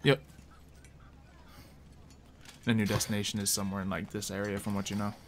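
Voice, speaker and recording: A man's voice: on the low side, level tone, fairly quick, a little hiss or hum. A man acting as game master, narrating and explaining options to players in an informal, hedging way. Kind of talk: casual narration of a tabletop roleplay game.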